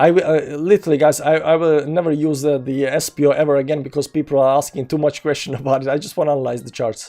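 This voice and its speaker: Speaking with a non-native accent, a man talks at a very fast pace with hardly any pauses. His tone is dark and mellow, his pitch fairly high, his intonation fairly even. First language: not English. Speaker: crypto trading streamer. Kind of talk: live stream chart analysis. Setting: live stream. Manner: halting, many fillers.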